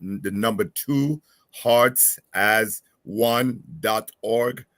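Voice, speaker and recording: Halting man with a bright, forceful voice. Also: on the low side, dry recording. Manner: hesitant, halting, repeats words. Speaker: guest marriage expert. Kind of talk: casual spoken remarks on a panel.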